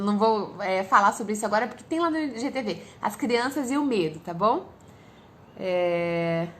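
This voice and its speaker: Woman, 30s, Brazilian Portuguese accent, slightly high voice, live Q&A host, direct advice-giving. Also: a little hiss or hum. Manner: direct, advice-giving, talks straight to the viewer. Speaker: parenting educator and live stream host. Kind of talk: live Q&A chat, answering viewer questions.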